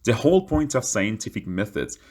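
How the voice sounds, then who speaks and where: A man's voice: on the low side, sing-song, brisk, a little mellow. A man reading a short practice passage aloud for an English speaking test. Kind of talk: scripted read-aloud of exam practice passages.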